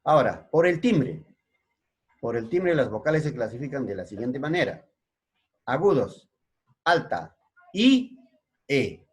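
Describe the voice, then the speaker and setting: A husky male teacher with a Peruvian Spanish accent explains a lesson at a slow, unhurried pace. He often stops to check with his students, and his voice sits at an ordinary middle pitch. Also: sing-song. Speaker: secondary school language teacher. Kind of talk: classroom lesson.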